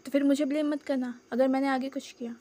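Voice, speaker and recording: A woman's voice: sits high, little pitch movement, fast, warm tone, lightly acted. A woman voicing a bold young man who teases and dotes in an insistent, playful way. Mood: teasing.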